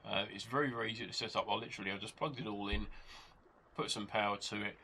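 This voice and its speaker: A low, gravelly man, nose stuffed up from a cold, talks through a hobby gadget in an easygoing, step-by-step way. He is in his workshop, and rain and the hum of a model engine are clearly heard behind him. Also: fast talker. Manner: explains step by step, relaxed, with hesitations. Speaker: channel host reviewing a hobby gadget. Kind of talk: casual product demonstration. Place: home workshop with rain outside.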